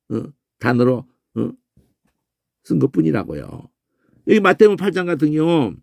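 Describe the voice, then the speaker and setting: Animated man teaching, gravelly and lively. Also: fairly high pitch, dry recording, studio quality. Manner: animated, peppers talk with questioning "eh?", imitates crow cries and shouts. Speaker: Bible teacher. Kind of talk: Bible word-study lecture.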